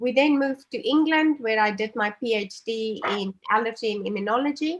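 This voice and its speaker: A woman's fairly high-pitched voice with an South African accent, ordinary pitch variation and a fairly quick pace. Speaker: dietitian and allergy researcher. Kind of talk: podcast interview.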